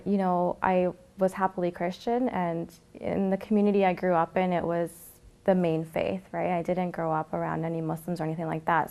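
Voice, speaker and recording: A young woman from Canada calmly telling her personal story of faith, often pausing with fillers. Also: fairly low pitch. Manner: reflective, with frequent fillers. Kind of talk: personal testimony to camera.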